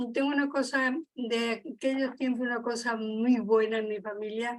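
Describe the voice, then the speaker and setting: A woman talks fairly slowly at a high pitch, keeping her intonation fairly even. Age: 70s. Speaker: study group member. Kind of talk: group study discussion.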